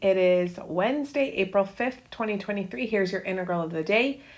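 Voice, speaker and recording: A woman's upbeat tone with ordinary pitch variation, over noticeable background noise. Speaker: math professor. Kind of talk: math tutorial lecture. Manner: upbeat, friendly.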